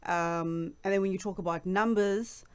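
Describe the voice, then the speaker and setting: A woman's voice: mid-range voice, fairly even intonation, normal speed, smooth. A woman from Durban with an Indian South African accent, speaking earnestly as an influencer guest in a casual panel discussion. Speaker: influencer, guest on a radio show.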